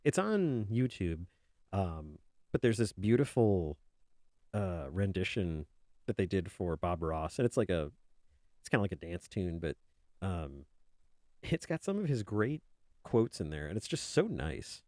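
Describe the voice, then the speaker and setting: A man streaming while he draws, chatting casually in a soothing, soft-spoken way that wanders and fills pauses with ums and uhs. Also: low voice, very animated, dry recording, clean studio sound. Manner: rambling, soft-spoken, many fillers. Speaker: artist streamer. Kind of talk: casual chat while drawing on a live stream.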